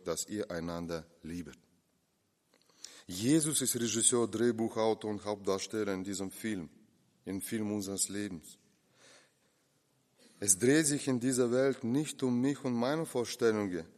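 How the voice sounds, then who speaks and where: Preaching man in an echoing hall. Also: fairly low pitch. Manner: impassioned, swings between loud and hushed. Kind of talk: sermon. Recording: long reverb of a hall.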